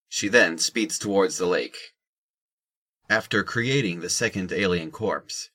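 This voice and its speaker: Deep-voiced male audio drama narrator. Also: pushed and bright.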